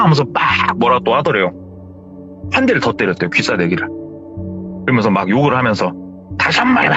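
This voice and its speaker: A man hosting a horror story radio show, retelling a true scary tale in an animated, conversational way. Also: medium pitch. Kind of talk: told horror story, casual spoken. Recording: slightly dull recording with faint music.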